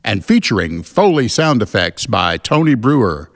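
A man announcing a radio serial from a script in a measured, presentational way. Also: on the low side, sing-song, creaky.

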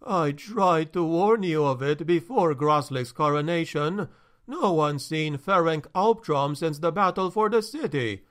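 A man's voice: fairly high pitch, natural voice. A man reading a story aloud, voicing an anxious male steward who talks in a shaky, pleading way. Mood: agitated. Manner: shaky, agitated, slow and pleading.

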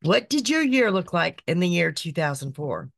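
A woman, hosting a psychic podcast, her voice raspy from being sick, chatty and repetitive. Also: on the low side, very animated, normal speed, dry recording, clean studio sound. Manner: chatty, repeats phrases, frequent "okay". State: raspy voice from illness. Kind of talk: casual monthly horoscope reading. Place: small decorated home room.

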